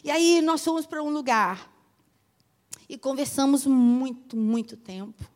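Middle-aged Brazilian woman pastor, very high pitch, emphatic and repetitive sermon delivery. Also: unhurried. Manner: emphatic preaching, repeats phrases, swings from loud to soft.

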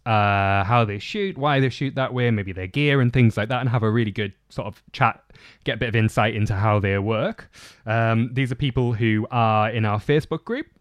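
Soft, camp-voiced man hosting. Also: medium pitch, clear, resonant tone, no echo. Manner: camp, slightly feminine delivery. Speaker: podcast host. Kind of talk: casual podcast chat.

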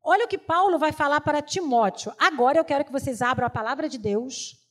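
A middle-aged woman from Brazil, preaching a lively, joking sermon to a congregation and telling stories from family life. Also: high-pitched, a little fast. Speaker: women's preacher. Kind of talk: humorous sermon.

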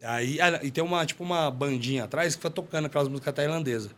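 A man telling a story in a casual, animated, slangy way. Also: fairly high pitch, fast talker. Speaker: guest telling a fight story.

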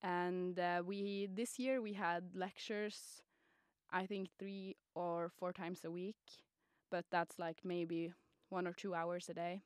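A woman's voice: lowish voice, little pitch movement, takes it slowly, clean tone, no room sound, studio quality. A twenty-year-old woman from Norway, a student guest on a podcast, chatty and prone to restarting words. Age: 20s. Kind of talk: casual podcast interview.

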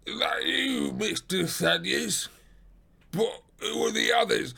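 A man voicing a gruff, stubborn, distrustful prizefighter porter who talks in loud working-class dialect, in a storybook reading. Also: sits high, lively intonation, takes it slowly, pitched above the performer's own voice, heavily acted. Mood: suspicious, stubborn.

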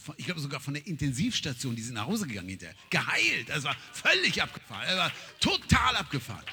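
Lively evangelist man in a hall. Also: medium pitch, husky. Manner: animated storytelling, acts out dialogue, swings from hushed to loud. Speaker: evangelist preacher. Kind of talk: sermon. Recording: long hall reverb.

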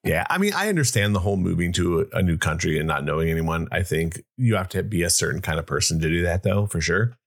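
A man's voice: low voice, expressive, fast, few pauses. A man hosting a podcast in casual chat, rambling with many restarts and fillers. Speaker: podcast host.

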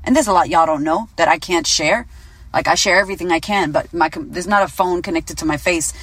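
A woman's voice: fairly low pitch, brisk, slightly rough, no room sound. Blunt, swearing woman in her thirties. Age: 30s. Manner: blunt, swears freely, animated. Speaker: business coach and podcast host. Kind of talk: casual motivational monologue.

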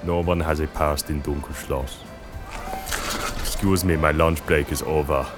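An actor playing a cryptic, curt male theme park worker from Norway, speaking flatly. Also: a bass voice, unhurried, over music. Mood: deadpan.

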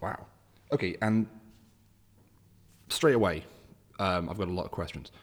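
Low-voiced chatty man hosting a podcast. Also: unhurried, big-room sound. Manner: chatty, rambling questions with many restarts. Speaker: podcast host. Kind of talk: casual interview.

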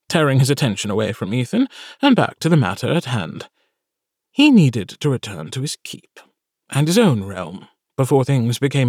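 A man reading an audiobook in scripted narration, slow and expressive, in a dry booth. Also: mid-range voice, breathy edge, no echo.

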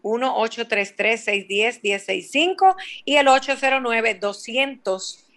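A woman's voice: fairly high pitch, unhurried, a bit bright. A Dominican woman hosting a radio talk show, speaking emphatically and repeating key words for her listeners. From Dominican Republic. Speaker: radio host and family therapist.

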